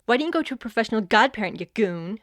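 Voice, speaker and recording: Woman playing a blunt, animated, bossy godparent. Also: a little high, rapid-fire, no room sound, clean studio sound, close to an everyday voice. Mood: skeptical. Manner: blunt, sardonic. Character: brisk, blunt, bossy young female godparent. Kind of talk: audio fiction comedy acting.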